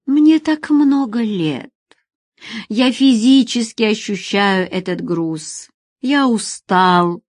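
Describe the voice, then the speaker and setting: A woman's voice: mid-range voice, dry recording, clean studio sound. A woman voicing a tired aging man who speaks in a weary, curt way, as in an audiobook.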